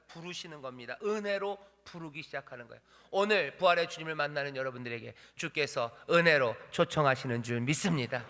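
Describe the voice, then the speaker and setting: A male pastor preaches with a bright, forceful voice pitched a little high. He repeats his phrases for emphasis and swings from ringing declarations to soft, hushed lines. His voice carries a long reverb from a large church hall. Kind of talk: sermon. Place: church sanctuary.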